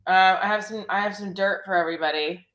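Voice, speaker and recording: A woman's voice: medium pitch, quick pace, fairly bright tone. A middle-aged woman with a congested, stuffy nose, chatting casually and candidly as she hosts a live stream from home in a rambling, blunt way. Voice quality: stuffy-nosed. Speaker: live stream host, comedy creator and performer. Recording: clearly noisy home recording with clicks.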